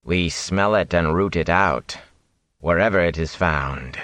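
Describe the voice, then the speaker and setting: A man voicing a cold, menacing cloaked zealot who speaks softly and slowly. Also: sits low, dry recording. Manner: soft, slow, cold and suspicious.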